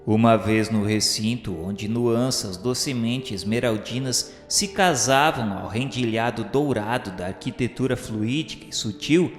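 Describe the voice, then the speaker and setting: A man's voice: medium pitch, a little slow, few pauses. A man with a Brazilian accent gives a solemn, formal, literary scripted narration, as the narrator of a radio novel. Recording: echoey hall-like reverb. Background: music.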